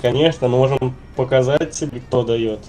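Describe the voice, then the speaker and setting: A man's voice: mid-range voice, steady tone, normal speed, warm tone, slight background noise, poor audio. A man playing along in an online role-play game, chatting casually and in character over voice chat.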